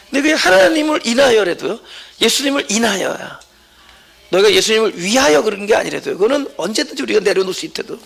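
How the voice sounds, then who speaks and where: A man's voice: sits high, creaky, a bit bright, breathy edge. A man preaching a Sunday sermon as pastor at a church service, talking conversationally and often checking in with the congregation.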